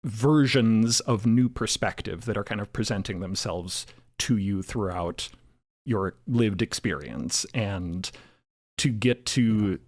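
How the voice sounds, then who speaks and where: A man's voice: lowish voice, slow pace. A man speaking reflectively on a roundtable, searching for his phrasing as he thinks aloud. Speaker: podcast co-creator, panelist.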